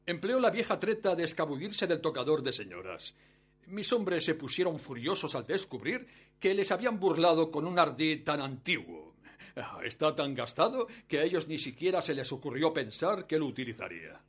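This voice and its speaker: An actor playing a wealthy, smug betrayed husband in a radio play, suave and mock-courteous with cruel menace. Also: male voice, on the high side, big pitch swings, moderate pace, a bit bright, husky, exaggerated voice. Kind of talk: Spanish-language radio play acting.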